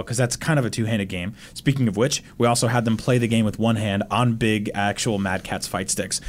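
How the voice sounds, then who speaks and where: A man chatting casually as a panelist on a gaming podcast, telling stories with self-deprecating asides. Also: medium pitch.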